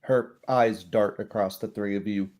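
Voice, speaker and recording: Slow, low-voiced male game master. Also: fairly even intonation, darkish tone. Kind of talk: descriptive tabletop game narration.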